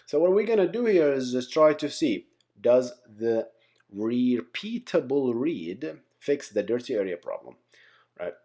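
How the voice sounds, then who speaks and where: Here the same kind of host, a male tech teacher running a channel, works through an informal whiteboard lesson by example, wandering a bit and frequently restating or fixing what he just said. He speaks at a measured pace in a warm, mid-range voice that swings widely in pitch.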